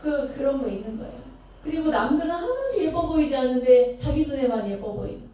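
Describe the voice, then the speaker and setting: A woman's voice: sits high, big pitch swings, brisk, dark tone. A Buddhist nun from Chungcheong Province tells a story during a sermon. She asks the listeners questions as she goes. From Chungcheong Province, Korea. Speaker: Buddhist nun giving a dharma talk. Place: temple dharma hall with an audience. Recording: echoey hall from far off, faint noise.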